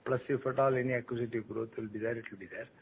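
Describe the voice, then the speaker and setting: A man answering analysts as a company executive on an earnings call, speaking haltingly and often rephrasing. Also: fairly even intonation. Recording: muffled conference call line, noisy rumble.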